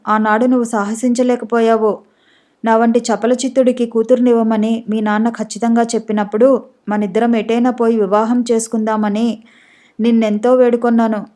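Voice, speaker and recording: A woman reading the part of a grieving, resigned young man who drinks, in a subdued and gentle way, in an audiobook story. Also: on the high side, close to an everyday voice.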